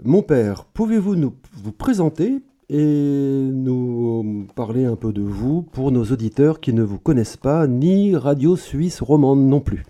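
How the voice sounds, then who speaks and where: Dark-voiced German-accented radio host. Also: male voice, mid-range voice, expressive, a little slow, few pauses. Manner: friendly, formal greetings with occasional stumbles. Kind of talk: radio interview.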